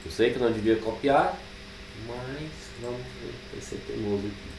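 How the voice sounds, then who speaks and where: A Brazilian man teaching programming, thinking aloud as he types code, with drawn-out fillers. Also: mid-range voice, distant mic. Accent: Brazilian Portuguese. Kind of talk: live coding class. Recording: echoey room, speaker away from the mic, faint background noise.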